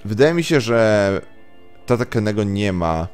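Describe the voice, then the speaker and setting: A man's voice: on the low side, big pitch swings, unhurried, a little mellow. A man hosting a let's play with casual, muttering, sweary gameplay commentary, slipping into English at times. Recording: game music behind.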